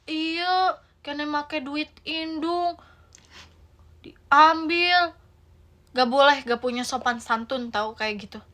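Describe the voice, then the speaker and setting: Brief: woman playing a Sundanese-accented village mum, bright high voice, exasperated and preachy. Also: heavily acted. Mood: exasperated nagging. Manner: exasperated, preachy, drawn-out nagging. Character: indignant poor Sundanese village mother.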